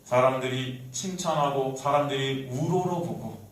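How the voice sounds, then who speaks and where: A man with a Seoul Korean accent preaching a sermon as pastor, swinging between soft and loud and acting out voices. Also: mid-range voice, a little slow. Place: church sanctuary. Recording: echoey church hall, mic at a distance.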